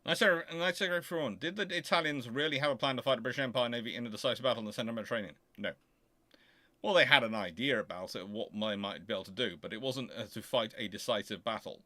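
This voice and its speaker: A man with a bright, forward voice of middling pitch answers listener questions in an informal explanatory style. He often halts and rewords himself mid-sentence. The sound is dry, with very little room in it. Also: no echo. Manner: halting, self-correcting, explanatory. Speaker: host of a naval history Q&A show.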